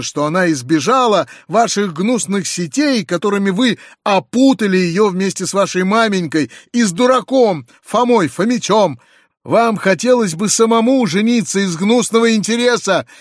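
A man reading an audiobook, voicing a shrill, furious middle-aged noblewoman in an indignant screeching tirade. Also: lively intonation, normal speed, few pauses, a little mellow, husky, no room sound, clean studio sound. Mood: furious scolding. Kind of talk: audiobook character voice.

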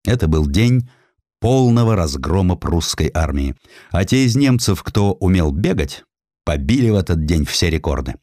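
A man reading a scripted historical narrative in an expressive, emphatic storytelling manner. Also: deep voice, normal speed, no room sound, clean studio sound. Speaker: audiobook narrator.

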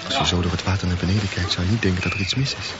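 An actor playing a dreamy, musing teenage boy with a disability in a radio drama, speaking slowly and full of wonder. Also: low voice, steady tone, over a noisy crowd, natural voice. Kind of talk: radio drama acting, reflective monologue. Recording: dull, noisy old radio recording.

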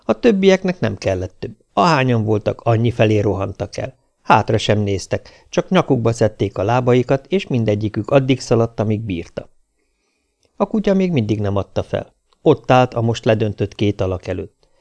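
A man narrating a short story as an audiobook reader, telling it in a lively way. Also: on the low side, creaky.

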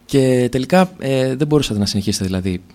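A man's voice: mid-range voice, animated, a little mellow. A man hosting a radio show, asking chatty, enthusiastic questions and sending greetings to listeners. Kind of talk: radio interview.

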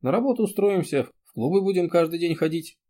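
A man's voice: on the high side, lively intonation, a little fast, mellow, pitched above the performer's own voice, close to an everyday voice. A male reader voicing a blunt, protective young man who talks firmly and soothingly. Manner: firm, reassuring, sometimes barking. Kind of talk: audiobook character reading.

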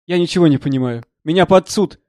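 Man reading an anxious, tearful middle-aged wife, slightly high voice, dry close read. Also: quick pace, darkish tone, dry recording, lightly acted. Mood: pleading. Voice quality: tearful, pleading. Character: distraught middle-aged woman, professor's wife, pleading.

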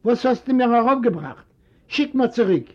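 A man voicing a stubborn, proud old immigrant father who shouts his refusals indignantly, a native Yiddish speaker. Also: extremely high pitch, expressive, moderate pace, pitched above the performer's own voice. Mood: defiant shouting. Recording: dull lo-fi recording.

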